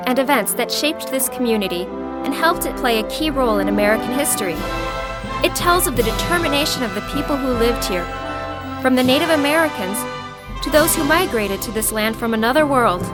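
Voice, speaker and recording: A woman voice-over artist reading scripted narration in a polished, articulate way with deliberate phrasing. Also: high-pitched, animated, over loud music.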